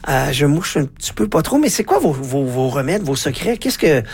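A man's voice: fairly high pitch, big pitch swings, moderate pace, vocal fry, a little mellow, breathy edge. A middle-aged man with a Canadian French accent hosting a radio show, talking with a slight cold and many hesitant fillers. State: has a head cold, coughing a little. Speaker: radio host.

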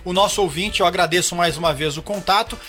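A man's voice: high-pitched, fast, bright, forceful tone, soft background music. A man hosting a live radio show, chatting loosely with plenty of fillers. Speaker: radio host.

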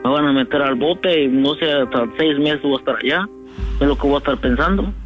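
A man's voice: on the high side, a little fast, faint music behind. A man from Michoacán, a detained son on a phone call who sounds confused and keeps insisting on answers. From Michoacán, Mexico. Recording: muffled phone line.

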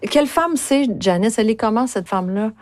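A woman's voice: a little high, expressive, brisk, darkish tone. A woman hosting an interview, steering with frequent "ouais", "bon" and "là". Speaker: radio host.

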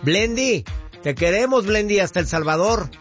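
A man's voice: high voice, animated, moderate pace, fairly bright tone. A man hosting a radio talk show, teasing and joking with his co-host and sending out long lists of greetings. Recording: dull lo-fi radio broadcast with music behind.

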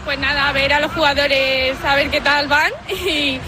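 A woman's voice: high voice, steady tone, unhurried, crowd noise, poor audio. A young woman football fan answering a reporter's questions with brief, giggly replies at an outdoor celebration. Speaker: football fans interviewed. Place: outdoor city square at a celebration.

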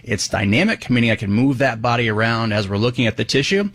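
A man's voice: mid-range voice, expressive, fast, a bit bright, no echo, studio quality. A man co-hosting a live radio show as a doctor, explaining step by step and often adding "right?". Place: radio studio.

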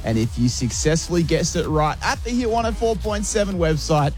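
A man's voice: on the high side, animated, a little fast, faint music behind. A man with an Australian accent presenting on radio in an upbeat announcing style.

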